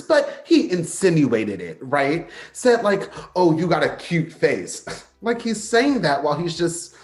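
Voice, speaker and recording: A man playing a flirty, sardonic but insecure gay man in a staged play reading, with a teasing, dramatic delivery. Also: a little high. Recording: roomy sound, faint music behind.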